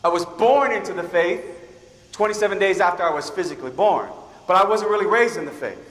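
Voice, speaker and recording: A man from Guam giving a keynote talk to high school students, telling stories in an animated way and acting out the dialogue. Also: a little fast. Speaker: keynote speaker. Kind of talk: motivational storytelling talk to students. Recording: echoey hall with long reverb.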